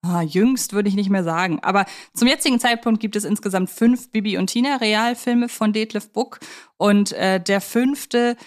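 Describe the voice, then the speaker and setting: A woman's voice: medium pitch, normal speed. A woman with a mid-range voice co-hosts a film podcast. She speaks casually and colloquially, sounding like a keen fan sharing opinions. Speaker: podcast co-host.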